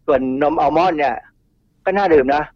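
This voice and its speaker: A man's voice: a little high, fairly quick, no room sound. A middle-aged man, a toxicologist guest on a radio show, explaining in a chatty way with asides and repeats. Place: radio studio. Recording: dull radio studio sound.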